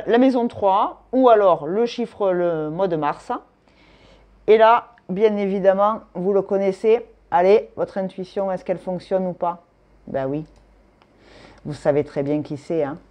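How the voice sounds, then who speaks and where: Chatty woman reading tarot, mellow voice. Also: medium pitch. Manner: chatty, thinks aloud, frequent tag "hein". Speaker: tarot reader. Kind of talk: casual tarot and astrology reading.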